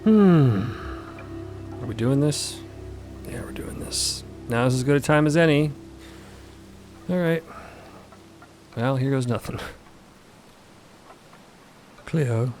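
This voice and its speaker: A man playing a detached, evasive space explorer in an audio drama, laconic and deadpan. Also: medium pitch, takes it slowly, long pauses, faint music behind, natural voice. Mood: matter-of-fact. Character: Dot, detached, evasive, devil-may-care space explorer.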